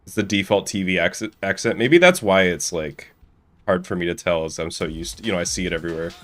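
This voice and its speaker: Low-voiced Midwestern guy streaming. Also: fairly quick, a bit bright. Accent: Midwestern American. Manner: rambling, chuckling, lots of fillers. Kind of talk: casual chat while gaming. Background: game audio and music.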